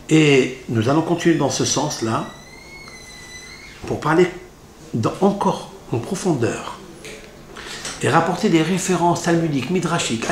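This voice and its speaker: Male rabbi, fairly high voice, dramatic rhetorical Torah teaching, roomy echo. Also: slight background noise. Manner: dramatic, rhetorical, peppered with Hebrew terms. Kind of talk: Torah lesson. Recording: echoey room with faint ambience.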